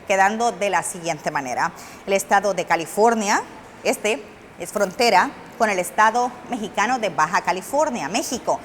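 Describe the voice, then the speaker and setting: Formal female narrator, medium pitch. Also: fairly bright tone, a little hiss or hum. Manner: formal, explanatory. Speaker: TV program narrator. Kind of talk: scripted informational narration.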